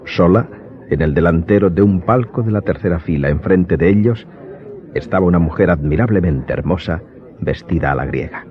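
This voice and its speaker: A man narrating a dramatized audiobook in a measured, literary storytelling manner. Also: low voice. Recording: dull lo-fi sound, loud music behind.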